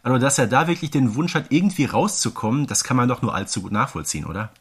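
A man with a mid-pitched voice co-hosts a fan podcast. He speaks informally and conversationally, discussing an audio drama series. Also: lively intonation, fast talker, husky. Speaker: podcast co-host.

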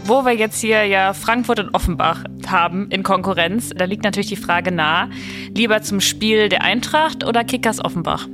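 A woman's voice: medium pitch, normal speed, over music. A woman hosting a podcast, asking questions in an upbeat, chatty way. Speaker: podcast host. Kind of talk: podcast interview.

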